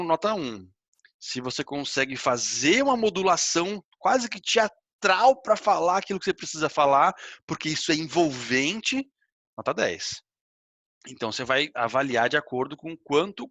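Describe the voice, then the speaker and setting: A man's voice: mid-range voice, pushed and bright, no room sound. A man teaching public speaking in a recorded online lesson, explaining step by step, asking rhetorical questions and checking in with "tá?". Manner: explanatory, asks rhetorical questions, often ends with "tá?". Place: own filming spot, recording videos.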